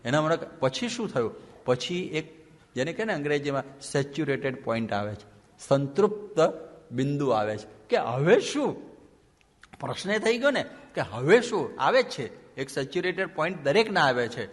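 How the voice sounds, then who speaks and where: A man, a monk, giving a lively sermon full of rhetorical questions and mixing in English phrases. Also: on the high side, moderate pace. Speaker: monk preacher. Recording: long hall reverb.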